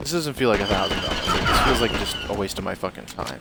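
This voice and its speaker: Noticeable background noise under a man's fairly quick speech. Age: 20s. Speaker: gaming streamer. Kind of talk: live gameplay stream chat. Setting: live stream while gaming. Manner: dry, deadpan tone.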